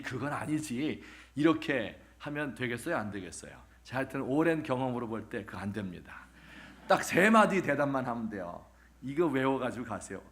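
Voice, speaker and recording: Animated Korean pastor preaching with humor. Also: male voice, mid-range voice. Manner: animated storytelling with rhetorical questions to the congregation; acts out quoted voices, drops to a hushed near-whisper at times. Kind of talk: sermon.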